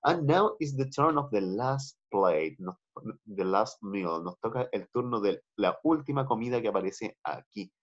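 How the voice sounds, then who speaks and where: A man's voice: on the low side, expressive, unhurried. A man teaching English on a video call, patient, switching between Spanish and English and repeating phrases. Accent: Chilean Spanish. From Chile. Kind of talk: online class teaching. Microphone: computer mic on a video call. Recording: dull lo-fi video call audio.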